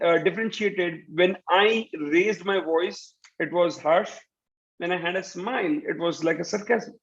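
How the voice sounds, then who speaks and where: This man's voice sits high and the audio is dull. He's an earnest communication trainer in his thirties with an Indian English accent, delivering a motivational talk to students over a video call while he keeps restarting sentences and saying "you know, uh."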